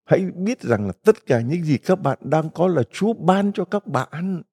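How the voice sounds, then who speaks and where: A man's voice: on the high side, lively intonation, normal speed, mellow, breathy edge. A middle-aged man, a Catholic priest, giving a folksy retreat homily full of stories and rhetorical questions to the congregation.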